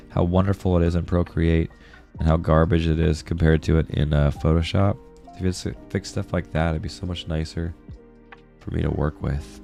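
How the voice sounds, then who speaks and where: On an art livestream with background music, a man talks casually to viewers as he draws, in a friendly, slangy way. His voice is low, creaky and warm, and a sore throat and congestion come through in it.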